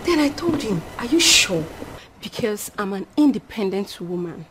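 A woman's voice: mid-range voice, very animated, moderate pace, background noise, close to an everyday voice. An actress playing a young woman who boasts to friends about a generous suitor. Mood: boastful. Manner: boastful, gossipy.

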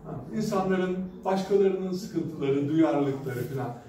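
A man's voice: fairly high pitch, slow pace, dark tone. A male pastor giving a sermon at a pulpit microphone, telling stories in a conversational way with hesitant fillers. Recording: echoey hall from a distance with background noise.

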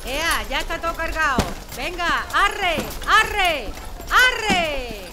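An actress playing a hearty street fish seller in an audio drama, with drawn-out vendor's calls. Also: female voice, very high voice, expressive, heavy background noise, exaggerated voice. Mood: hearty, calling out. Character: hearty female street fish seller crying her wares. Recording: market crowd behind.

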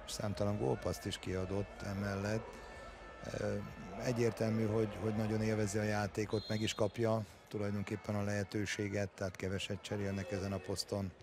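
A man's voice: on the low side, flat delivery, over music. A man analysing a handball match as co-commentator, explaining in hesitant phrases. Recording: very loud arena noise behind commentary.

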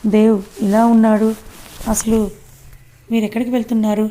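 A woman's voice: on the high side, little pitch movement, normal speed, warm tone, natural voice. A woman voicing a nosy young woman who fires off demanding questions.

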